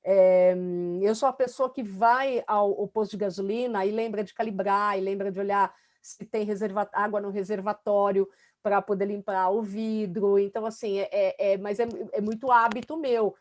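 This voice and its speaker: A woman's voice: medium pitch, fairly even intonation, moderate pace, darkish tone. A middle-aged woman talking in a casual interview, emphatic and talkative, with many fillers. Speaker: student being coached.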